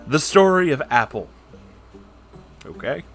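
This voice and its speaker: A man hosting a story-reading channel, reading online posts aloud and adding animated, casual, joking asides. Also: a little high, unhurried, gravelly, soft background music. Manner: animated, jokey, informal asides.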